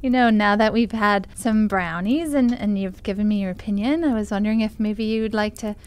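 A woman's voice: mid-range voice, brisk, clean tone, close to an everyday voice. A woman playing a sweet, eager, flirtatious small-town baker in an improvised radio drama, coaxing and hesitant. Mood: flirty.

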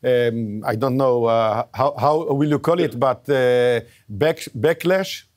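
A middle-aged man with a Palestinian accent hosting a TV interview from a studio, halting with many fillers. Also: mid-range voice. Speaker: TV host.

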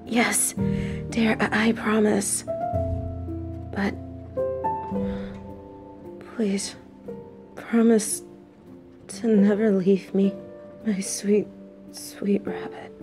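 A woman's voice: mid-range voice, flat delivery, extremely slow, long pauses. A woman playing a possessive female mafia boss and doting girlfriend in a scripted, intimate audio roleplay. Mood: tender, soft. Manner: swings between cold threats and tender pleading. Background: background music.

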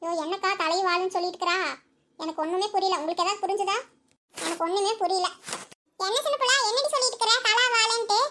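High squeaky chatty village women. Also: female voice, quick pace, noisy background. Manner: chatty, fussing, teasing scolding. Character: chatty village women gossiping, homely and fussing. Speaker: cartoon character.

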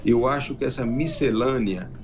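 An older man with a rural Minas Gerais accent, answering interview questions slowly over a video call from his home library, often restarting his sentences. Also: mid-range voice. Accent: rural Minas Gerais Portuguese. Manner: unhurried, with frequent restarts. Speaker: guest, self-taught linguist. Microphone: video call webcam.

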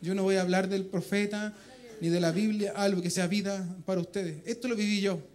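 A man's voice: sits high, fairly even intonation, fairly quick, darkish tone. A man with a Chilean accent giving a fervent testimony to a church congregation, often calling out to his brothers in faith. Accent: Chilean Spanish. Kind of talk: emotional spoken testimony in church. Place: church meeting room.

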